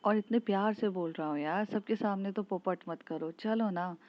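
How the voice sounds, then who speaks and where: A man's voice: high-pitched, moderate pace, close to an everyday voice. A woman voicing a pushy, charming young man who pleads and coaxes, in a muffled lo-fi recording. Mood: coaxing. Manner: coaxing, pleading.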